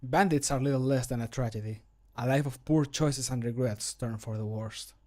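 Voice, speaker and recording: A man voicing a somber, pitying adventurer for a fantasy game, with dramatic, drawn-out gaps in a scripted delivery. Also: medium pitch, a little mellow, close to an everyday voice. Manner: slow, dramatic, gapped delivery. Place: small home room.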